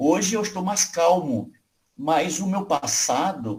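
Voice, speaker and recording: At a very slow pace, a man speaks in a high pitch that moves through very wide swings. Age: 70s. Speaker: spiritist lecturer, former priest. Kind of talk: lecture Q&A discussion. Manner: hesitant, with fillers.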